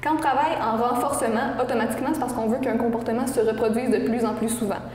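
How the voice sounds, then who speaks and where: Woman, Québécois accent, dog trainer, patient explainer, higher voice, echoey room with long reverb. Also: steady tone, fast talker, darkish tone, slight background noise. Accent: Québécois French. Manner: clear, patient explaining with everyday examples. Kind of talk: explaining training methods in an interview.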